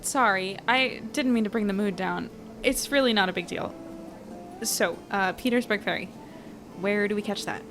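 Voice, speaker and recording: A woman's voice: medium pitch, normal speed, music in the background, lightly acted. A woman playing a thoughtful, easygoing young woman in a naturalistic audio drama, speaking in a reflective way. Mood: subdued, apologetic.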